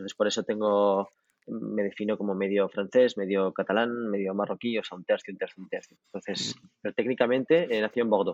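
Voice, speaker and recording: A man talks at a fairly quick pace and fairly low pitch with fairly even intonation. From Barcelona, Spain (born in France to Moroccan parents). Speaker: coffee chain founder, architect. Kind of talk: interview. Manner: halting, many repetitions.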